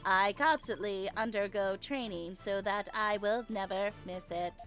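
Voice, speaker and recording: A woman's voice: mid-range voice, measured pace, fairly bright tone, faint music behind, natural voice. A woman playing a proud, defensive male bomb specialist testifying in a courtroom game, in a solemn, self-important way. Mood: matter-of-fact.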